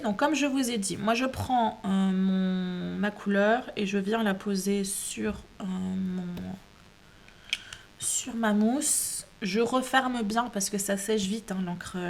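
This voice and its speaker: A woman's voice: mid-range voice, slow. A woman hosting a casual craft tutorial at home, chatty, with many hesitations and restarts. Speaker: craft video host.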